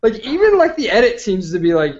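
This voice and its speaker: A man's voice: high voice, huge pitch swings, fast, darkish tone. A man talking as a guest on a casual podcast, opinionated and long-winded, full of "like"s. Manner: opinionated, talks at length with many "like"s. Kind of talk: casual chat. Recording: slightly dull lo-fi audio.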